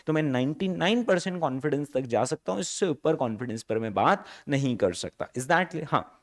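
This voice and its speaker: A man with an Indian accent teaching finance in a revision lecture, mixing Hindi and English and asking his students questions as he goes. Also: on the high side. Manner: slows down to stress key phrases.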